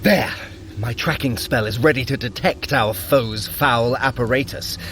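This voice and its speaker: An actor playing a sly, sardonic trickster god in an audio drama, with a wry, articulate, theatrical delivery. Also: male voice, medium pitch, unhurried, fairly bright tone, a little hiss or hum. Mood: focused. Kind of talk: scripted audio drama acting.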